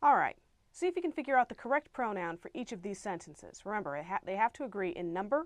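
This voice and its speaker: A woman's normal speaking voice with an American accent, medium pitch and lively intonation, in a dry, close sound with no echo against a quiet background. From United States. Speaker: grammar teacher. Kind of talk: lecture. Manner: clear, measured.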